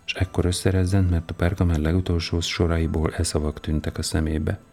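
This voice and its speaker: A man narrating an audiobook in a slow, even, deliberate way. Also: deep voice.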